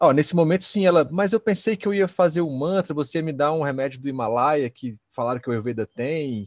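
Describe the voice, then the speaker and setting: At a fairly quick pace and with hardly any pauses, a man speaks in a fairly high pitch with lively intonation. It is an ordinary speaking voice, dry and close with no echo, over a quiet background. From Brazil, Minas Gerais. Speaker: Ayurveda therapist and podcaster. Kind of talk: casual interview. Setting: live stream on video platforms.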